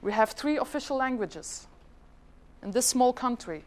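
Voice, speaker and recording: A woman's voice: fairly high pitch, animated, normal speed, darkish tone. A middle-aged Flemish woman whose first language is Dutch, giving a chatty conference presentation and asking the audience questions. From Flanders, Belgium. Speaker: government department head giving a presentation.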